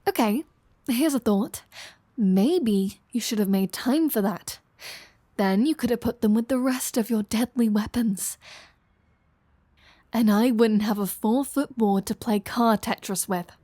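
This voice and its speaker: Slow-talking teasing vampire woman, acted by a woman. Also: on the high side, dark tone, dry recording. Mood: sardonic, teasing. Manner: teasing, dry, sarcastic. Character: flirty, teasing female vampire, sardonic and playful. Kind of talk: audio roleplay addressed to the listener.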